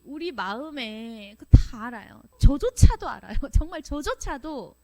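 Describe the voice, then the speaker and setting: A woman pastor delivers a sermon in a high voice that swings widely up and down. She speaks emphatically and addresses her listeners directly. She slips into quoted dialogue, changing her voice for each speaker. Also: sing-song, measured pace. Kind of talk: sermon at a Friday prayer meeting.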